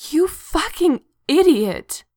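A woman's voice: very high-pitched, animated, slow pace, darkish tone, dry recording, studio quality, voice pushed up, exaggerated voice. A woman voicing a fiery, anguished young woman hunter in an audio story, with emotional, raised outbursts. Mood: furious, tearful.

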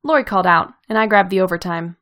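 A dry, unflappable nurse who answers everything deadpan, as voiced by a woman reading a story. Her tone stays flat and matter-of-fact. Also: medium pitch, fast, lightly acted. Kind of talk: fan fiction read aloud.

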